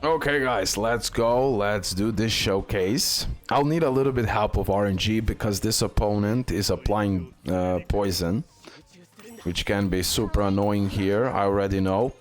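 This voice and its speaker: A man's voice: lowish voice, unhurried, soft background music. A man hosting a game guide and showcase, talking through it with some hesitant, repetitive phrasing. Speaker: gaming video host.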